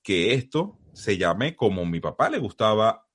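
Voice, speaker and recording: Deep-voiced Zulian Venezuelan man. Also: big pitch swings, unhurried, a bit bright, husky. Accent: Zulian Venezuelan Spanish. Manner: earnest, storytelling, uses vos forms. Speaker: podcast guest. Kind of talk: casual interview conversation. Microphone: video call.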